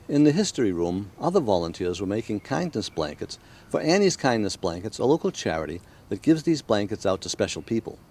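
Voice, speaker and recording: A man's voice: on the low side, a little mellow. A man working as a local TV reporter, narrating and conducting interviews on site.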